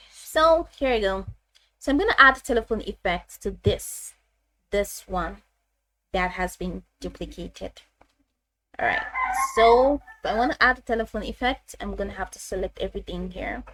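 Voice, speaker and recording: A woman presenting a casual step-by-step software tutorial, talking haltingly and repeating her phrases as she explains. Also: medium pitch, low-quality recording.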